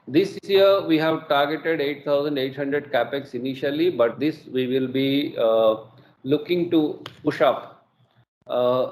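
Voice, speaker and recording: A man's voice: medium pitch, a little mellow. Hesitant Indian man presenting results. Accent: Indian English. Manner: measured, frequent hesitations with "uh". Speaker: company executive presenting results. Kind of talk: earnings call presentation. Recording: echoey room with faint ambience.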